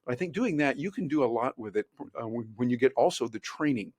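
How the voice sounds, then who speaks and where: A man who speaks professionally, talking as an interview guest on a video call in a lively, animated way and acting out quoted voices. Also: mid-range voice, fast, breathy edge, no echo. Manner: animated, acts out quoted voices and audience reactions. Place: home office in Orlando. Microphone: webcam on a video call.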